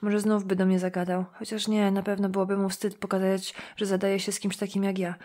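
A woman's voice: medium pitch, fairly quick, lightly acted. A woman reading an audiobook, voicing a shy, talkative teenage village girl who runs herself down. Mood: chatty. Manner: lively, chattering, self-deprecating.

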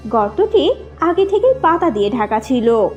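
A woman's voice: high voice, big pitch swings, measured pace, darkish tone, lo-fi sound, faint music behind. A woman narrating a scripted children's story as the storyteller.

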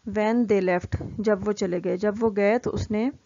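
A woman teaching vocabulary, explaining each word and reading the example sentences out very slowly and deliberately. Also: mid-range voice, steady tone, mellow, lo-fi sound.

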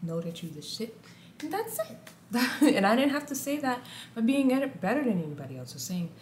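A woman in her thirties with a deep contralto voice, talking candidly and animatedly to camera in a small room. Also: brisk. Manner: candid, animated, says guys a lot. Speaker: vlogger. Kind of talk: casual motivational talk to camera. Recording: echoey room, faint ambient noise.

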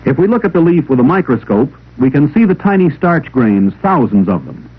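A man reading scripted instructional narration for a 1950s classroom film in a measured, didactic way. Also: on the high side, big pitch swings, slightly rough. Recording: old 16mm film soundtrack, narrow telephone-like band.

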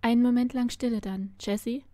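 A woman's voice: medium pitch, steady tone, fairly quick, mellow, no echo. A woman reading a novel aloud, narrating expressively in the first person. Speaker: story reader.

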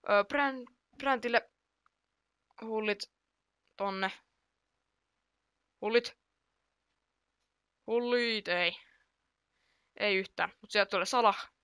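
A woman chatting through her football video game match, excitable, reacting aloud to each play and laughing at her own mistakes. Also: mid-range voice, clean tone, no room sound, studio quality. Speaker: gaming YouTuber. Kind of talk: casual gameplay commentary.

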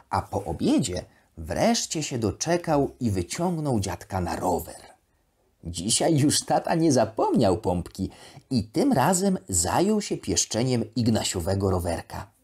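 A narrator voicing a naive, chatty, elegant female plush duck reading from her diary in a children's bedtime audiobook, with expressive, wondering, childlike asides. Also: medium pitch, unhurried, breathy edge. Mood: chatty recounting.

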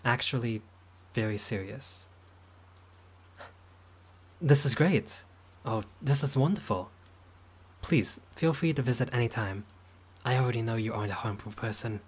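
A man's voice: medium pitch, normal speed, pauses often, breathy edge, close to an everyday voice. A man voicing a friendly, caring male vampire lord who talks politely and eagerly, sometimes flustered, in an audio roleplay. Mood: excited. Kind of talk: audio roleplay monologue to the listener.

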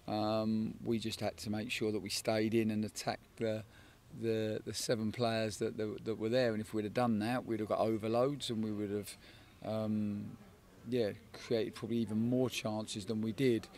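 A man in his forties, a football head coach, giving a measured post-match interview outdoors at a night stadium, often repeating words as he thinks. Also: fairly low pitch, level tone, darkish tone, a little hiss or hum. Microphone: handheld interviewer microphone.

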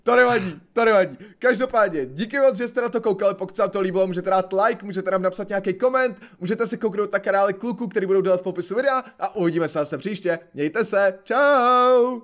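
A man's voice: high-pitched, few pauses, a bit bright. A young man hosting a multiplayer gaming video, frantic and pleading, often laughing. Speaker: gaming channel host. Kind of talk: excited multiplayer gaming chat.

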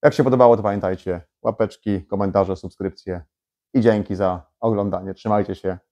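A man's voice: fairly low pitch, fairly even intonation, moderate pace, warm tone. A man in his thirties giving a casual DIY vlog walkthrough, chatty with lots of fillers and restarts, in a small garage workshop. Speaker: DIY vlogger. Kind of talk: casual how-to vlog talk.

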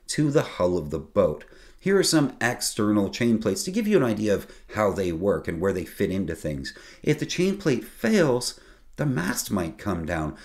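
A man in his forties hosting a sailing channel, explaining boat technicalities to camera in a casual, conversational way from a small home studio. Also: fairly low pitch. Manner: lively, conversational, explains technical detail plainly.

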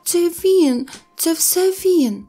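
A woman's voice: a little high, expressive, a little slow, darkish tone, soft background music, voice pushed up. A woman voicing a prim little girl kitten in an audio storybook, pleading and indignant. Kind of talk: storybook character voice.

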